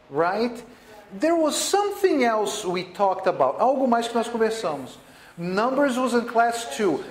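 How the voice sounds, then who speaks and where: A man's voice: sits high, roomy sound. A man with a Brazilian accent teaching English in a classroom, drilling words with repetition and switching between English and Portuguese. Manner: plays imagined student questions. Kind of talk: classroom video lesson.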